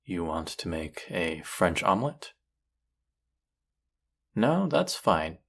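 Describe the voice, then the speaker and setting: Casting: male actor as arrogant chef with a low voice, sardonic and needling, secretly fond of his rival, for intimate audio roleplay. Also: very animated, takes it slowly, vocal fry, full character voice. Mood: teasing, irritated. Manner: teasing, sardonic, condescending. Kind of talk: intimate audio roleplay acting addressed to listener.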